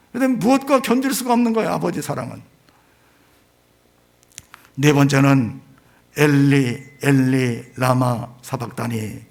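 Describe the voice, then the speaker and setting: Male pastor, slightly high-pitched and gravelly, emphatic sermon delivery with stressed phrases that fall away low. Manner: emphatic, rising to drawn-out stressed phrases then dropping low. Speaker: pastor preaching.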